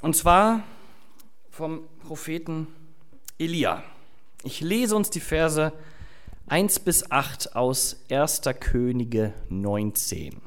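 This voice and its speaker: A man's voice: on the high side, extremely slow, pauses often, clean tone. Conversational German-speaking male preacher. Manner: conversational, with fillers and asides. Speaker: pastor. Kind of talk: sermon with Bible reading.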